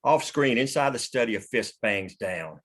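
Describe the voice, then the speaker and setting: A man's voice: mid-range voice, animated, moderate pace, fairly bright tone. A man narrating stage directions from a screenplay at a table read.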